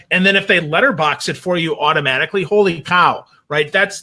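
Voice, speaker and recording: A man with a fairly high-pitched, very bright and forceful voice speaks as a guest on a casual talk show. He is conversational and opinionated, landing his points with emphasis. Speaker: guest commentator on social media marketing.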